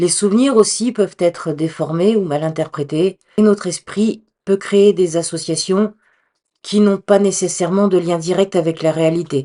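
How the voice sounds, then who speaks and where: A woman speaks at a fairly slow pace in a fairly low pitch. Her tone is dark and mellow, and her intonation is fairly even. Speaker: storyteller youtuber. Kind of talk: commentary on listener stories; video outro. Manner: hesitant, with fillers.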